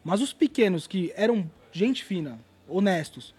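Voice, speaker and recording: A man, an artist guest telling stories in an animated, slangy way and swearing freely. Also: sits high, a little slow, slightly rough. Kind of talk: casual storytelling interview.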